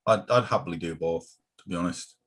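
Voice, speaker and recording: A man's voice: deep voice, a little fast, fairly bright tone, breathy edge. A man co-hosting a casual hobby chat, hesitant with many ums. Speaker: podcast co-host.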